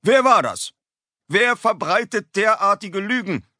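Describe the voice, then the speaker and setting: A man's voice: expressive, a little slow, no room sound, exaggerated voice. A man voicing a strict male tomcat schoolteacher who barks his orders in an audiobook for children. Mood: angry. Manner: barking, stern, shrill when yelling. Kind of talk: audiobook character voice. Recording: dry close studio sound.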